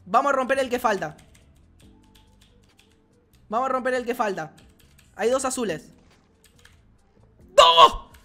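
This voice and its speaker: A man with an Argentine accent giving excited gameplay commentary as a gaming channel host, swearing and shouting often. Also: very high-pitched, slow pace, long pauses, faint music behind. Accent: Argentine Spanish.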